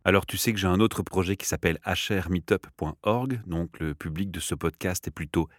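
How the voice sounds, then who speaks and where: A low-voiced man hosting a podcast. He asks long, enthusiastic questions and chimes in with agreement. The recording is dry and close. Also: brisk, no echo. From Belgium. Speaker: podcast host. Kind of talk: podcast interview.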